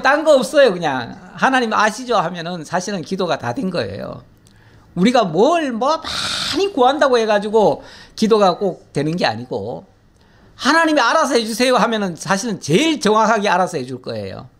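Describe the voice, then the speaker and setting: A middle-aged male pastor gives a folksy, conversational Bible teaching sermon in a high-pitched voice with big pitch swings, at a moderate pace. He laughs often and acts out prayers in a pleading voice.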